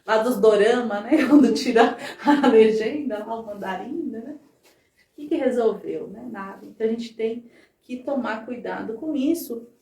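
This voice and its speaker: A woman's voice: on the high side, normal speed, warm tone, recorded from a distance. A woman giving a conversational talk at a spiritist center, constantly checking in with her listeners. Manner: chatty, constant tag questions to the audience. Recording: roomy sound, voice from off the mic.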